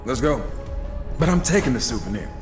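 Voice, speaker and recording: A man's voice: mid-range voice, sing-song, brisk, lightly acted. An actor playing an irreverent, sardonic gunslinger horseman in a game cutscene, talking with casual, cocky sarcasm. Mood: wry. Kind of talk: video game cutscene acting. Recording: long reverb with faint music.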